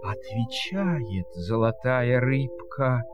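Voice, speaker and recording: A man's voice: medium pitch, animated, extremely slow, lo-fi sound, over music. A man narrating a fairy tale in verse as a storyteller, with a theatrical, singsong delivery.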